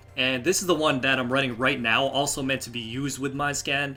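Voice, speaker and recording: The speaker is a man with a medium pitch. He talks fairly quickly. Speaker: gaming youtuber. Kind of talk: gameplay tutorial. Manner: fast.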